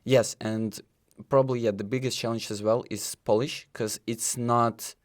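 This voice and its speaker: A man's voice: medium pitch, fairly even intonation, moderate pace. A young man from Ukraine, a Ukrainian native speaker and student, answering interview questions earnestly in fairly fluent English. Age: young adult.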